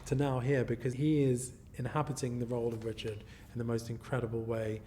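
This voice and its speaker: A man who developed and co-wrote a film, looking back on the long process in a reflective, measured way during an interview. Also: mid-range voice, little pitch movement, mellow, slight background noise. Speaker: producer and writer. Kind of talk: relaxed interview talk.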